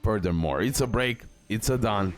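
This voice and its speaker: Low-voiced man guiding through a game. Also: moderate pace. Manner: instructional, repeats himself, frequent check-in tags. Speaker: gaming YouTuber host. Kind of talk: casual game guide commentary over gameplay. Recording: music behind the voice. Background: music under gameplay commentary.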